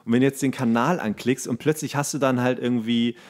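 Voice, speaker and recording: A man's voice: mid-range voice, fairly even intonation, fast talker, darkish tone. A man hosting a podcast in casual chat, thinking aloud in a rambling way with English slang mixed in. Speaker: podcast host.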